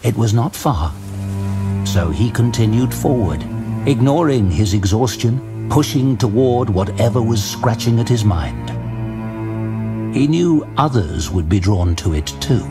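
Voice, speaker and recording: A man narrating a scripted fantasy story dramatically, in a measured, suspenseful manner. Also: lowish voice, lively intonation. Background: music.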